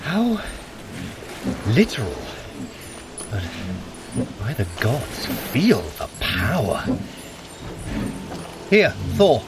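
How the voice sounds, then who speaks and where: An actor playing a sly trickster god and sorcerer in an audio drama, with a dry, dramatic, articulate delivery. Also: male voice, mid-range voice, wildly swooping pitch, very slow, pauses often, heavily acted. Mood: strained, excited. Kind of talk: scripted audio drama acting. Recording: clear background noise of ambient effects.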